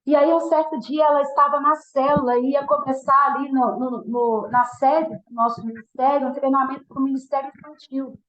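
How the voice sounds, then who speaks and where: A woman's voice: high voice, fairly even intonation, normal speed, hardly any pauses, a bit bright, slight background noise. A woman from giving an earnest, emotional testimony sermon, often restarting her sentences. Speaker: guest minister giving a testimony. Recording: roomy, dull church sound.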